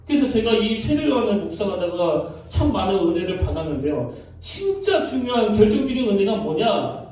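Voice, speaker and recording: A man preaching a sermon as a pastor, in an animated, conversational storytelling way, in a church sanctuary. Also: high-pitched, brisk. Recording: echoey hall, mic from a distance.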